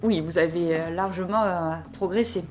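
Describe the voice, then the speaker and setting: A woman guest on a podcast in casual chat, tactful and a bit hesitant, with many small pauses. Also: lowish voice, over loud music.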